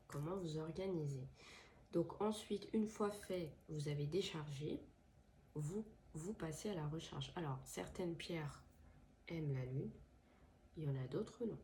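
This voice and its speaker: A woman's voice: fairly low pitch, mellow, a little hiss or hum. A woman with a head cold giving casual spoken advice to her viewers, hesitant with many fillers and restarts. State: has a head cold, stuffy voice. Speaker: tarot and crystal channel host. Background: washing machine running.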